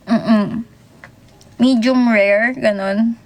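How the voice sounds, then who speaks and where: A woman's voice: on the high side, fairly even intonation, extremely slow. A young Filipino woman chatting casually with viewers on a livestream, giggling and greeting people by name. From Philippines. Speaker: idol livestreamer. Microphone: phone.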